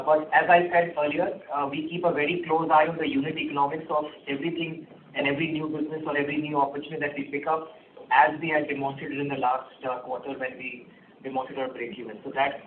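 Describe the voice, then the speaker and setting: A man, a company executive, answering analyst questions on an earnings call in measured, halting phrases. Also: fairly high pitch, level tone. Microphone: conference call phone line. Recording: echoey, noisy, phone-like conference line.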